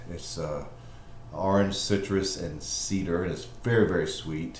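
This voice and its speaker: This man has a very deep, low pitch. His pitch variation is ordinary. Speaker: cigar reviewer. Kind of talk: casual product review to camera.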